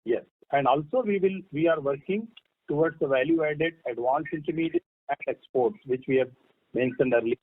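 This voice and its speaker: A man with an Indian accent, a company executive giving measured answers to analysts on a conference call. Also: on the high side. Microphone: phone conference line. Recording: narrowband phone conference line.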